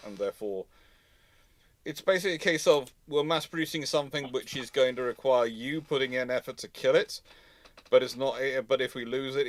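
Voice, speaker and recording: Male host, mid-pitched, rambling unscripted explainer, very dry sound. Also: dry recording. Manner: rambling, thinking aloud, often rephrasing. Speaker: host answering audience questions. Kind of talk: live unscripted history discussion.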